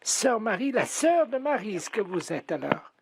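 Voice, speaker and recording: A man's voice: sits high, big pitch swings, a little slow, creaky, noisy background, heavily acted. A man putting on a dotty, half-deaf old woman. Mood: muddled. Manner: feigns mishearing, pesters, mock-sweet. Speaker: prank caller. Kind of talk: prank phone call.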